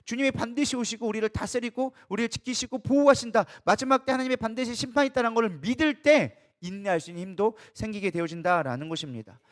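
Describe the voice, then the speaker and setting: Fast-talking, high-voiced male pastor preaching. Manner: emphatic preaching with rhetorical questions. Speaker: co-lead pastor. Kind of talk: sermon. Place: church.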